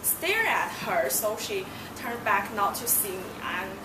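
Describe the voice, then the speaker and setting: A speaker with a non-native accent talks at a fairly slow pace with lively intonation. Noticeable background noise and audible room echo fill the recording. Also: woman. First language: not English. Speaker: student. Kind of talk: class speech. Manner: halting, many fillers.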